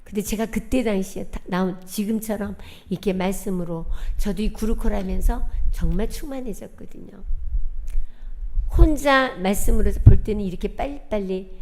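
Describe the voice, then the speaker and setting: A woman's voice: mid-range voice, normal speed, dark tone. A middle-aged woman giving a personal testimony at a church worship service, telling her story vividly and acting out the dialogue. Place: church sanctuary.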